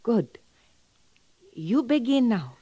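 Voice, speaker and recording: Slow, soft-toned young Native American woman. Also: fairly high pitch, sing-song, breathy edge, dry recording, heavily acted. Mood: eager, curious. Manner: halting broken English, simple solemn phrasing. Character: young Native American woman, earnest, devoted, softly curious. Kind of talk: 1950s radio drama acting. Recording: muffled vintage radio recording.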